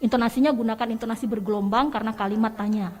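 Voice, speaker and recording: A woman teacher giving a radio lesson, explaining step by step and addressing her listeners warmly as children. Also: on the high side, steady tone, very fast, faint music behind. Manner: explains step by step, calls listeners "nak" and "sayang".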